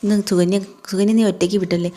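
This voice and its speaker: A woman's voice: fairly low pitch, little pitch movement, quick pace, warm tone. A woman voicing a scolding older housewife who lectures a young man.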